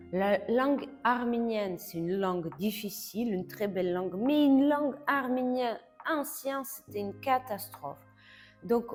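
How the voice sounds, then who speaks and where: A woman in her thirties with a slight Russian accent, earnestly coaching viewers on learning languages and repeating points for emphasis. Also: a little high. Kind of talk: motivational advice talk to camera. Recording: long reverb, soft music behind.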